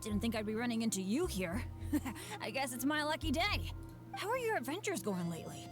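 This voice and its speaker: A woman's voice: on the high side, very animated, a little fast, over music. A woman voicing an eager, chatty, starstruck teenage boy adventurer in a video game. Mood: friendly, curious. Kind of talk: video game character dialogue.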